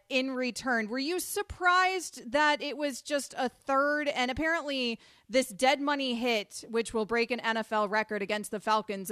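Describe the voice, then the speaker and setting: A woman hosts sports talk radio in a brisk, upbeat, conversational manner. Her voice is smooth and clear, pitched a little high, and sounds close and dry on a studio microphone. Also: fairly bright tone, no room sound. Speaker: radio host.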